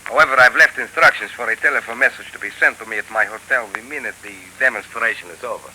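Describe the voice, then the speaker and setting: An actor playing a scheming professor who is a cold, calculating hypnotist villain, in a 1930s radio drama. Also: male voice, mid-range voice, quick pace, pushed and bright, poor audio. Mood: suave. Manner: smooth, coldly calculating. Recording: old radio broadcast, faint hiss.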